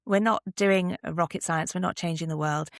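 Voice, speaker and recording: A woman's voice: on the low side, steady tone, normal speed, no echo, studio quality. A middle-aged British woman talking conversationally as an interview guest, reflective and articulate as she shares advice. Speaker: podcast guest, actor and voice artist.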